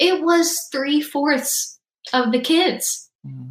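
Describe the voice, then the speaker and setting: A woman speaks in a Southern US accent. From US South. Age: 30s. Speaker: author and evangelist. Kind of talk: interview.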